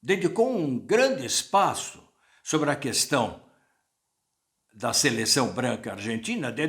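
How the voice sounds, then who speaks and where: Slow, deliberate older journalist man. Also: a little high, fairly bright tone. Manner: unhurried, quotes sources, asks rhetorical questions. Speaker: journalist commentator. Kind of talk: reflective spoken commentary.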